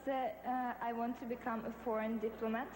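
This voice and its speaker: A woman's voice: on the high side, little pitch movement, a little fast. A young woman, answering interview questions hesitantly as a pageant contestant. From Norway. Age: 20s. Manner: hesitant, searching for English words. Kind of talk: live on-stage interview. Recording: echoey hall with long reverb and noise.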